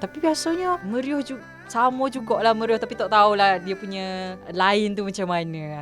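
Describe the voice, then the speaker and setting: Over background music, a woman at a medium pitch talks with lively intonation, big swings in loudness and hardly any pauses. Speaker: TikTok personality and actress. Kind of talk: interview answer.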